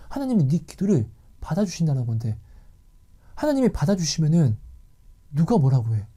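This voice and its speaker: A man's voice: a little high, dark tone. A man giving an earnest, emotional personal faith testimony, acting out dialogues as he tells them. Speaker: Christian testimony speaker.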